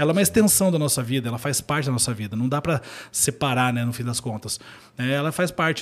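A man's speech races at a very fast pace. His medium pitch varies in an ordinary way. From Brazil, Curitiba. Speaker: Portuguese language teacher and educational video creator. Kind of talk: casual interview chat. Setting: live-streamed studio podcast.

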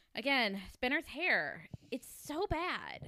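A woman with a high pitch speaks in a raised, projected voice. She goes at a very slow pace. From Kentucky. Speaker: young adult author. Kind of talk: casual chat.

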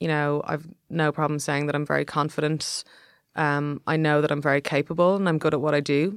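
At a fairly quick pace, a woman speaks with a very deep, low pitch on a very clean recording with a silent background. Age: 30s. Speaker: journalist and columnist. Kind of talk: casual interview chat.

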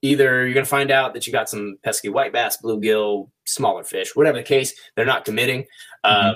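This man talks fairly quickly with an American accent, at a medium pitch and with fairly even intonation. He has an ordinary speaking voice. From California. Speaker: kayak angler. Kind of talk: casual interview.

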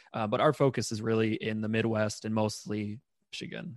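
In a dry, close sound with no echo, a man uses a normal speaking voice at medium pitch and a fairly quick pace. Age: 20s. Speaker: Medicare insurance agent. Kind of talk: casual chat.

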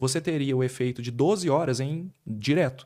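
Recorded very cleanly with a silent background, a man with an ordinary speaking voice talks at medium pitch and a moderate pace with ordinary pitch variation. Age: 30s. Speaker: biomedical scientist and science communicator. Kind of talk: casual interview.

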